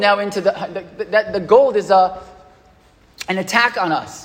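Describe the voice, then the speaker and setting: A man with an American accent and a high pitch, over noticeable background noise. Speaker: rabbi. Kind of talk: lecture. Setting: stage with audience.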